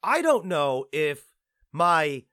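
A man hosting a podcast, talking in a casual, rambling and excitable way, tripping over his words and swearing now and then. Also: on the high side, extremely slow, dry recording, studio quality. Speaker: podcast host and producer.

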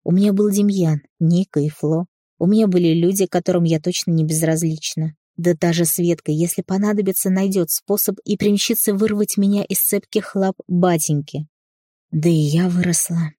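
A woman reading a first-person novel aloud as an audiobook narrator, in an even storytelling manner. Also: fairly low pitch, normal speed, no room sound, studio quality.

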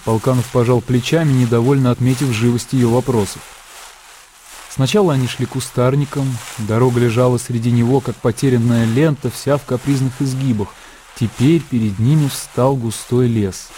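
A man reading the narration of a classic radio play in a measured, even manner. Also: medium pitch, slight background noise. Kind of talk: scripted literary narration.

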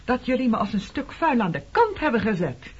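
An actress in a Dutch radio play playing a bitter, defiant middle-aged woman who speaks reproachfully with a sharp tongue. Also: on the high side, very animated, a little fast, breathy edge. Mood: indignant. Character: bitter, defiant woman confronting an old comrade. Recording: dull, muffled radio play recording.

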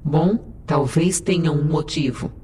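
A woman's voice: sits low, slow pace, dark tone, a little hiss or hum. A woman voicing a smug, teasing ship AI. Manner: sly, mock-sweet, withholding. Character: sassy female AI first officer, smug and teasing. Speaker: ship's digital assistant.

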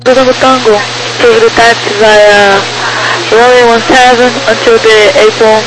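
A woman's voice: fairly high pitch, level tone, unhurried. A woman with a Brazilian accent works as a tower controller, speaking procedural phraseology over a crackly aviation radio. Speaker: air traffic tower controller. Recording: noisy, crackly air-band radio.

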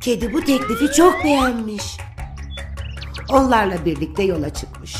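A woman's voice: on the high side, sing-song, moderate pace. A woman narrating a scripted fairy tale for children as the storyteller. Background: prominent music.

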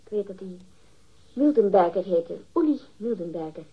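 A woman's voice: medium pitch, lively intonation, moderate pace, slightly rough. An actress in a radio drama playing a catty, defensive woman witness, disdainful and emphatic as she gossips. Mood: guarded. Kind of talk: acted radio drama dialogue. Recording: dull, muffled lo-fi radio recording.

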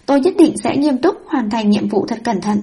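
A woman's voice: fairly high pitch, animated, moderate pace, mellow, breathy edge, full character voice. A woman voicing a flippant young heroine in an audiobook reading. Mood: breezy. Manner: offhand, teasing.

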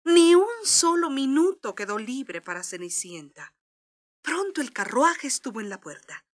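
Animated high-voiced woman storyteller. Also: a little slow. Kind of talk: scripted children's story narration.

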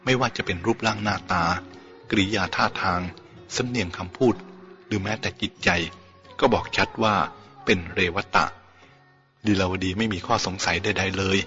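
A man's voice: lowish voice, steady tone, moderate pace, pushed and bright. A man voicing a tearful, stubborn young woman in an audiobook, speaking insistently. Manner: insistent, pleading. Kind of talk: audiobook character voice. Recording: dull lo-fi with faint music.

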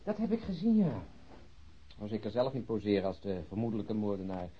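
A man's voice: on the low side, very animated, brisk, slight background noise. A middle-aged police detective, sardonic and full of grumbling banter. He talks like a man in a radio play, on a dull, lo-fi recording. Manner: sardonic, bantering, food-loving. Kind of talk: Dutch radio drama dialogue.

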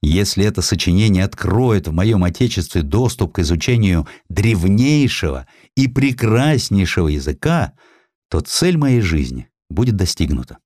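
A man's voice: deep voice, very animated, normal speed, darkish tone, no room sound, clean studio sound. A man voicing an earnest, modest scholar in audiobook dialogue, with a polite manner. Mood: solemn. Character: earnest, modest male scholar of ancient languages.

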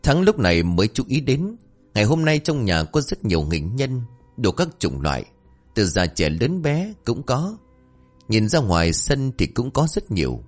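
A man narrating a horror story in a dramatic, expressive storytelling manner. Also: mid-range voice, normal speed, faint music behind.

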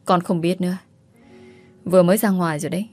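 A woman's voice: lowish voice, fairly even intonation, fast talker, darkish tone, faint music behind, lightly acted. A woman voicing an injured, weary young wife in a spoken story. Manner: curt, weary.

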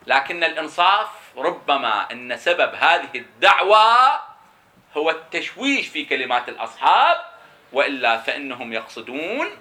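A man's voice: medium pitch, pushed and bright. A man teaching a seminary lecture on jurisprudence, explaining emphatically and answering his own questions. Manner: repeats key terms slowly for emphasis.

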